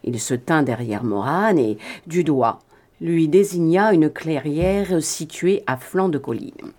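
A woman narrating an adventure novel as an audiobook reader, in an expressive, even-paced reading. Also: low voice, slow.

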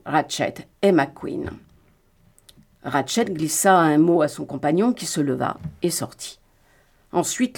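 A woman reading a novel aloud in a measured storytelling manner, with an occasional filler. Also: on the low side, darkish tone. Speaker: audiobook narrator.

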